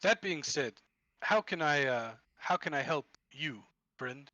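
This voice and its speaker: A gentle old temple elder, as a game master puts him on, polite and measured in every phrase. His voice sits a little high and bright, and it comes out slow and close on a dry mic. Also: animated, no room sound, lo-fi sound. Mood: grateful, measured. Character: kindly old male temple elder in a robe.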